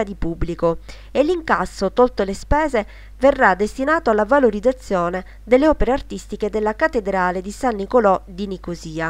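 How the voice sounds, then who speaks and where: A woman with an ordinary speaking voice talks at a moderate pace and medium pitch, with lively intonation. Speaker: TV news reporter. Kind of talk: local TV news report narration.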